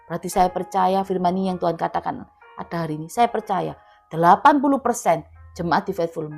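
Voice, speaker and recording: A woman's voice: lowish voice, a little fast, vocal fry, faint music behind. A woman preacher giving an emphatic sermon at an online prayer meeting. She repeats key words and acts out quoted dialogue. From Indonesia.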